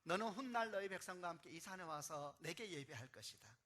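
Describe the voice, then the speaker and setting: Man doing God, tender, slow, gentle, pleading, bright voice, slightly high. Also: expressive.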